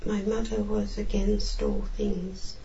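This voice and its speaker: A gentle, childlike spirit from the early 1900s, as a woman medium speaks for her, slow and hesitant, with a heavy gravelly fry in a mellow, dark voice. The sound is dull and lo-fi, caught in an echoey room during a séance. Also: medium pitch, huge pitch swings, slight background noise, exaggerated voice. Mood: wistful. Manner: hesitant, repeating words. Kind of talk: séance channeling.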